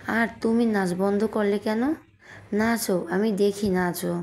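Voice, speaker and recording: A woman voicing a gruff, bossy young husband who gives scolding commands. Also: mid-range voice, fairly even intonation, measured pace, a little mellow, natural voice. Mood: stern.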